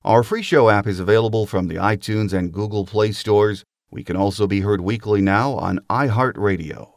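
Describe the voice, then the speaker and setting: A man's voice: fairly low pitch, no echo, clean studio sound. A man hosting a sports podcast, reading game notes and promos. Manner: steady announcer delivery, reading notes and promos. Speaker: podcast host.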